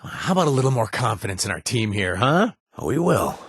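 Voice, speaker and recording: An actor playing a gruff, washed-up ex-raider who now runs a bar, sardonic and joking one moment, earnest and grateful the next, in video game voice lines. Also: male voice, medium pitch, big pitch swings, brisk, no room sound, studio quality. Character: gruff washed-up male ex-raider bartender, wry. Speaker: game companion character.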